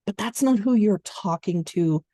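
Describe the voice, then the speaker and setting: A woman coaching voice-over students in an online training session, explaining in a steady conversational way. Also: medium pitch, measured pace, no echo, clean studio sound.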